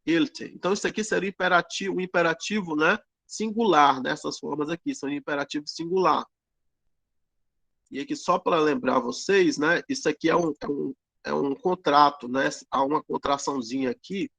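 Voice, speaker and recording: A man teaching an online grammar lesson, explaining slowly with many fillers and tag questions. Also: on the high side, creaky, fairly bright tone, no echo. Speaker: Greek teacher.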